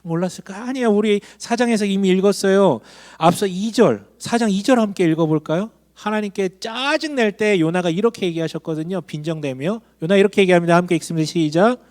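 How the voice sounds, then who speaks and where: High-voiced Korean pastor preaching. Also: male voice, a little fast, hardly any pauses, a little mellow. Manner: emphatic, asks the congregation questions. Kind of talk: sermon. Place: church hall.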